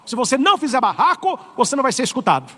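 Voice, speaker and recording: A middle-aged man with a Brazilian Portuguese accent, a priest preaching an animated, humorous sermon. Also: extremely high pitch, rapid-fire, big-room sound. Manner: animated, humorous, acts out voices. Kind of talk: lively sermon.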